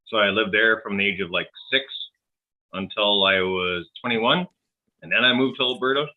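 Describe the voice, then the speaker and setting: A man's voice: fairly low pitch, normal speed. Self-deprecating man in his forties, tinny line. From Canada. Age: 40s. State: coughing, sore lungs from dust. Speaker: host. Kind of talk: casual chat. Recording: tinny phone-like call audio.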